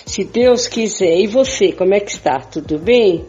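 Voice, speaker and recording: Older Brazilian woman, chatty voice-message style, dark relaxed tone, slightly lo-fi. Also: mid-range voice, normal speed. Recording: dull lo-fi audio with music.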